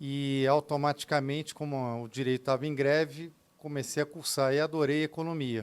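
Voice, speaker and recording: A man speaks at a fairly high pitch and a moderate pace. His intonation is monotone and flat. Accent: Carioca. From Rio de Janeiro, Brazil. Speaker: business executive. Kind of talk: interview.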